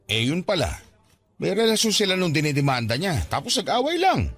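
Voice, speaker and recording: A man's voice: high voice, wildly swooping pitch, a little fast, fairly bright tone, breathy edge, faint music behind, exaggerated voice. An actor playing a dismissive middle-aged policeman in a Tagalog radio drama, lecturing in a patronizing, colloquial way. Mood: cautioning.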